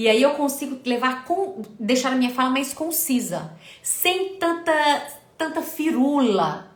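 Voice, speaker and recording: Audible room echo surrounds a woman with a high pitch. She speaks at a fairly slow pace with lively intonation. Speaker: public speaking coach. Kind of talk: live stream lecture. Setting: live stream.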